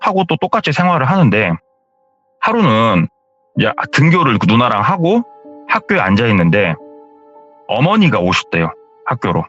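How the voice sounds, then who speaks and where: A man tells a creepy true story in a loose, chatty style, his pitch rising and falling a lot as he relays what he heard. The recording is slightly dull, with faint background music. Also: very animated, normal speed, long pauses, fairly bright tone. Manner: casual, dialect-tinged retelling with hearsay endings. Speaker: horror story narrator. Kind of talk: retold true-horror storytelling.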